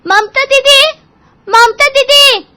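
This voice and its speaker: A woman voicing a defiant youngest daughter-in-law in a storybook tale, with a shrill, argumentative voice. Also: fairly quick, slight background noise. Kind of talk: storybook character voice.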